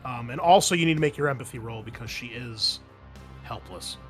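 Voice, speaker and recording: A man's voice: medium pitch, fairly quick. A man acting as game master, narrating scenes and calling for rolls in a tabletop roleplaying game. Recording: faint music behind the voice. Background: music.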